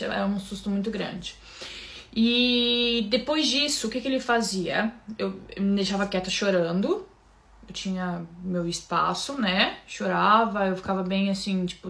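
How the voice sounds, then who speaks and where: A Brazilian woman with a Brazilian Portuguese accent recounts her own story to viewers. Her voice has a gravelly, fry-edged texture at a middle pitch. She speaks softly, haltingly, and keeps calling out to her listeners. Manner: soft, halting, often restarting, keeps addressing listeners. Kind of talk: personal storytelling to camera.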